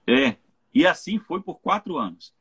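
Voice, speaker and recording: A man's voice: high-pitched, very animated, moderate pace, a bit bright, husky. A Brazilian man, a pastor, speaking earnestly in a live church talk and often checking in with his listeners. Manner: earnest, keeps checking in with "né?" and "entende?".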